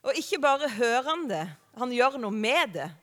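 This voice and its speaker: A woman with a high voice gives a sermon in a relaxed, conversational way, often turning to the listeners with rhetorical questions. Her voice carries a long reverb from a church hall. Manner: conversational, warm-hearted preaching with rhetorical questions. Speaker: preacher.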